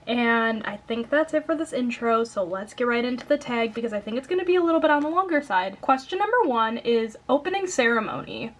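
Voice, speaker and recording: A young woman with a Midwestern American accent talks to her desk camera in a light, slightly high voice. She chats along upbeat and unscripted, sprinkling in "um" and "like" as she goes. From Wisconsin, United States. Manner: chatty and upbeat, lots of "um" and "like". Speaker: coloring YouTuber. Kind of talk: casual chat to camera.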